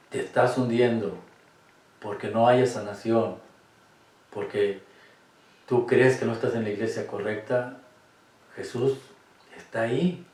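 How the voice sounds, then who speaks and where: The voice sits on the low side and is a little mellow: a man leading a Catholic Bible study, emphatic and full of rhetorical questions. It was captured in an echoey room with cameras, on a distant microphone.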